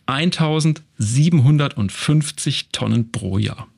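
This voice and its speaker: Gravelly upbeat male news co-host. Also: a little high, animated, takes it slowly, a little mellow. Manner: upbeat, conversational explaining. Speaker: co-host of a company news show. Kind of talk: casual scripted news chat.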